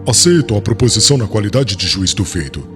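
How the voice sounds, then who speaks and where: A man playing a proud, vengeful young Jewish prosecutor in an audiobook drama, formal and declamatory, with a husky voice. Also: on the low side, sing-song, fast talker. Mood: stern, indignant. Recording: long cavernous reverb, music underneath.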